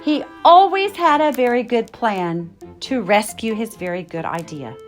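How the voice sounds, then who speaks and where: A middle-aged woman reads a children's picture book aloud. Her delivery is animated and expressive, with emphatic phrasing meant for young listeners, over faint music. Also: fairly high pitch, measured pace. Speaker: storytime reader.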